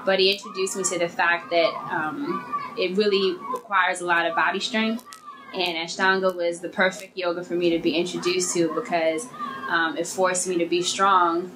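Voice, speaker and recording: A woman describing her path into yoga in a thoughtful, detailed way, with many pauses. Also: fairly low pitch, level tone. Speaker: interviewee, former personal trainer. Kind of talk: documentary interview. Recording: noisy recording.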